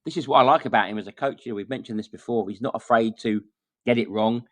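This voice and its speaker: A man giving measured, conversational football analysis as a podcast guest. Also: mid-range voice, no room sound. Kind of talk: casual football chat.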